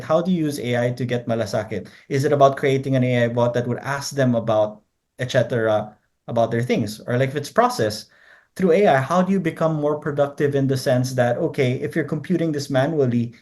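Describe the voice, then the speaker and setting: A man's voice: mid-range voice, darkish tone. A man from Korea, a native Korean speaker, talking as a guest researcher in a conversational interview. He lays out his ideas point by point and keeps checking in with the listener. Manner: explains in numbered points, tags statements with quick checks.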